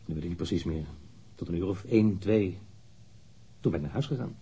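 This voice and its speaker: An actor playing a defensive, wounded lover under police questioning in a radio drama, speaking bluntly and candidly. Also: male voice, low voice, brisk, warm tone, breathy edge, exaggerated voice. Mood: subdued, reflective.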